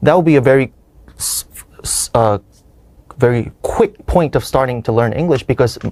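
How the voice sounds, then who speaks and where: A man with a Korean accent speaks with long, frequent pauses. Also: medium pitch for a man, ordinary pitch variation, moderate pace. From South Korea. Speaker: IELTS test candidate, student. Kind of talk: speaking exam answers. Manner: halting with self-corrections.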